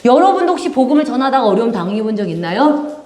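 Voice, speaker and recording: A woman's voice: fairly high pitch, very animated, fast, darkish tone, reverberant. A woman teaching children in a church service, telling a story with lots of questions to the kids. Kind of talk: children's sermon. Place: church room.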